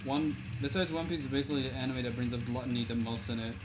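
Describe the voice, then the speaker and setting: A man's voice: mid-range voice, fast talker, background noise. A young man livestreaming while he draws viewers' characters, chatting loosely with his chat. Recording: music playing behind.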